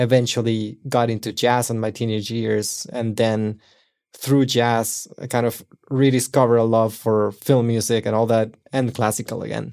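The voice carries a Spanish accent at a moderate pace. Its intonation is monotone and flat. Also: man, medium pitch for a man. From Costa Rica. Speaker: film composer and guitarist. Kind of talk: interview.

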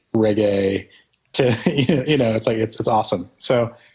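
Somewhat breathy male voice, medium pitch, fairly slow pace, ordinary pitch variation. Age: 30s. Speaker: musician. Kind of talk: casual chat.

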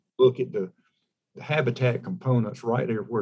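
With a Southern US accent, a man speaks at medium pitch with lively intonation. His tone is dark and mellow. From South Carolina. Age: 50s. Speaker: wildlife biologist. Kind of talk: interview.

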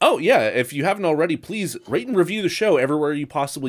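Lively intonation marks this man's speech. His tone is animated. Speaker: podcast host. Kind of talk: casual comedic banter. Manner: joking, animated.

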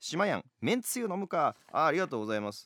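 Delivered at a fairly quick pace with very wide pitch swings, the voice has a dry, close sound with no echo on a very clean recording with a silent background. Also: man. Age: 30s. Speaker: radio announcer and host. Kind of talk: solo radio talk show. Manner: casual, chatty.

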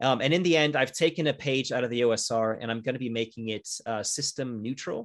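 A man with an American accent talks at a very fast pace with hardly any pauses. His pitch is medium with ordinary variation, over a quiet background. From United States, lived long in UK. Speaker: game designer and podcaster. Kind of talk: casual interview chat. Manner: casual, halting with fillers.

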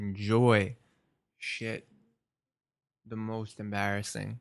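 Pausing long and often, a man with a medium pitch speaks with an American accent. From New York. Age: 20s. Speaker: musician. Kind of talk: casual chat.

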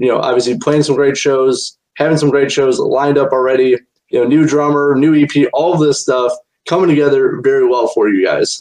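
With an ordinary speaking voice, a man talks at a moderate pace in a fairly high pitch, his loudness very even throughout. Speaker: radio host. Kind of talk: casual interview.

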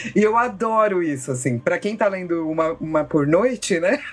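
A woman's medium-pitched voice over background music. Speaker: guest storyteller. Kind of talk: casual chat.

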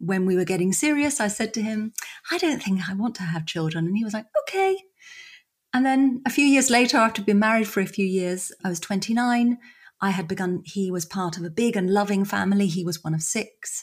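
A somewhat breathy voice in an English accent at a fairly quick pace, with ordinary pitch variation, in a very clean recording with a silent background. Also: woman, medium pitch for a woman. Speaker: author and support group founder. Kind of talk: interview.

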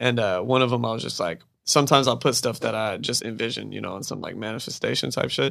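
A man talks at a very fast pace with an American accent and vocal fry. His medium-pitched voice has ordinary pitch variation in a very clean recording with a silent background. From Bakersfield, California. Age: 20s. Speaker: audio engineer. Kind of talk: casual chat. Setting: studio.

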